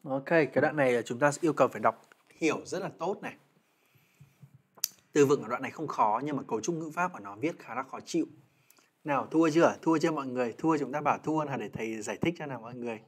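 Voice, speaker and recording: A man walks viewers through a reading exercise in an easygoing livestream, his voice sitting in a middle pitch. He talks in a chatty, coaxing way and keeps tacking checking questions onto his explanations. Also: fast talker, breathy edge. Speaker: IELTS teacher. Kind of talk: casual livestream lesson.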